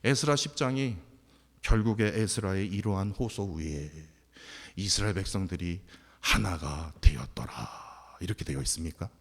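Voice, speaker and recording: A man preaching a sermon as pastor, animated, jumping from loud outbursts to hushed near-whispers. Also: low-pitched, normal speed. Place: church sanctuary. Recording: long hall reverb.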